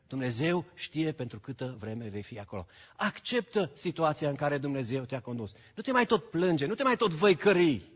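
A man from Romania preaching a sermon as pastor, swinging between loud declaiming and quiet asides, dropping in English phrases. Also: on the high side, very animated. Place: church hall. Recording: dull sound with long hall reverb.

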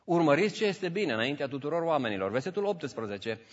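A man preaching a sermon, telling stories and acting out the voices in them, with English phrases mixed into his preaching. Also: a little high. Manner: animated storytelling, acts out voices in anecdotes. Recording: dull audio with long church reverb.

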